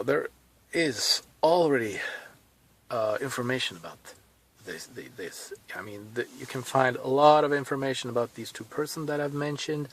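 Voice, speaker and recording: A man in his thirties with a Swedish accent, talking casually to camera from inside a car, thinking aloud with pauses and restarts. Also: medium pitch, low-quality recording. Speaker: vlogger.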